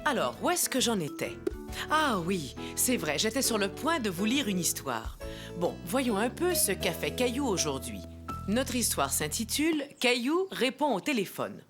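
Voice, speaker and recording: A kindly storyteller played by a woman narrates a children's storybook tale. Her medium-pitched voice swings in an animated way, with music clearly underneath. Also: normal speed, natural voice. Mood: storytelling.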